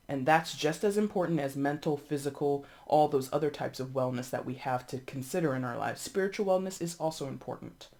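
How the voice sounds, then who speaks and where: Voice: mid-range voice, a little mellow. Stuffed-up tarot reader, thirties, chatty and blunt, swears a bit, says stuff like go go go. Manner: blunt and chatty, swears, repeats words for emphasis. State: congested, sniffling. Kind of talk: casual tarot reading.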